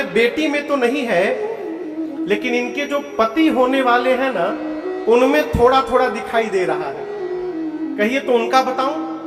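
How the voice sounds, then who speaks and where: Brief: man, high voice, slow storytelling preacher with an Eastern Uttar Pradesh accent, chants verses, echoey hall with faint music. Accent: Eastern Uttar Pradesh (Purvanchal). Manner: storytelling, questions the audience, chants verses slowly. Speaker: kathavachak preacher. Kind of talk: devotional sermon with sung verses.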